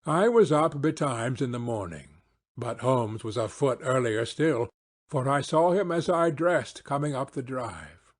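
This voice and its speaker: A man's voice: medium pitch, lively intonation, unhurried. A man reading literary fiction as an audiobook narrator, in a scripted storytelling style.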